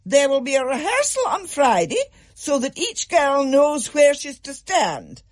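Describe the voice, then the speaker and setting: A man's voice: very high-pitched, huge pitch swings, a little slow, voice pushed up, exaggerated voice. A man voicing a severe, commanding schoolmistress who lays down strict rules to her class. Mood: stern. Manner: strict, commanding, clipped warnings. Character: stern, severe middle-aged schoolmistress. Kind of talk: storybook reading, radio thriller.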